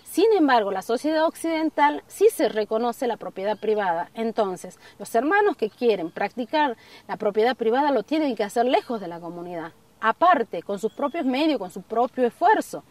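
A woman's voice: fairly high pitch, expressive, moderate pace, darkish tone. Earnest woman outdoors, slightly distant. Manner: earnest, gesturing, many fillers. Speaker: community member interviewed. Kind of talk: documentary interview. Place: outdoors in an open field. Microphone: camera at a distance.

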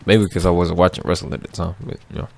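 A man's voice: low voice, level tone, fast talker, creaky. A young man commenting on a video game as he plays it for the first time, incredulous and joking, talking back to the screen. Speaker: gamer. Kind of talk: blind let's play commentary.

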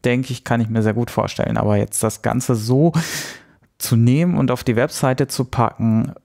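A man's voice: medium pitch, fairly even intonation, normal speed, gravelly, a little mellow. A man talking casually as a podcast co-host, thinking aloud in a hesitant way.

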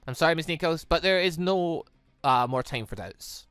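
A woman plays a grave older headmaster from a visual novel. He speaks formally, in measured, halting phrases, pitched low. The sound is dry and close. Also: lively intonation, fairly bright tone, clean tone, no room sound, soft background music.

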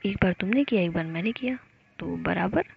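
A playful, teasing young woman lover speaks in a whispered role-play, as a woman puts her on. The voice has a gravelly edge under the whisper, and the recording is slightly dull with faint hiss. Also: on the low side, brisk.

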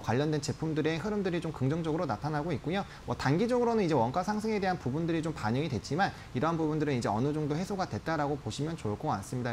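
A man's voice: fairly high pitch, slight background noise. A man in his thirties giving polite, explanatory market analysis as a guest on a studio stock show. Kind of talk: live market analysis commentary. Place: TV studio desk.

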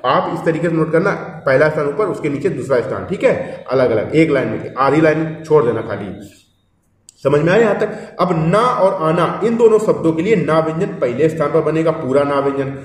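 A man's voice: fairly high pitch, expressive, a little fast. A man teaching a shorthand class, explaining step by step and often checking that the students follow. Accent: Hindi. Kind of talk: classroom instruction. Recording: echoey room, voice from far off.

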